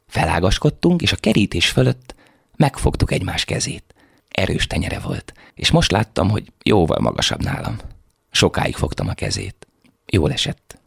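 Gravelly deep-voiced male story reader. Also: huge pitch swings, dry recording, studio quality. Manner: measured storytelling narration. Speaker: actor reading aloud. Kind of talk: radio reading of a novel.

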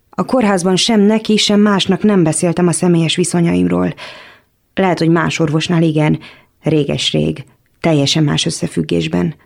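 A woman reading a first-person novel excerpt aloud in a measured, calm storytelling manner. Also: lowish voice, creaky. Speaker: reader.

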